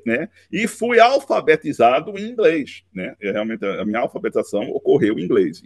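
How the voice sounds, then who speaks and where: A man, recounting his life story in an interview, unhurried and dotted with tag questions. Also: mid-range voice, no echo, clean studio sound. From Recife, Brazil. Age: 50s. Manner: unhurried, with frequent "né" tags and restarts. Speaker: interview guest, law professor. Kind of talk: relaxed autobiographical interview.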